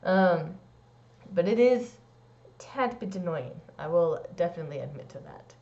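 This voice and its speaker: A young trans man vlogging a casual personal update, rambling with lots of "like" and "um" and swooping into squeaky high bits. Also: expressive, normal speed, creaky, a little mellow. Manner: rambling, many likes and ums. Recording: dull lo-fi sound.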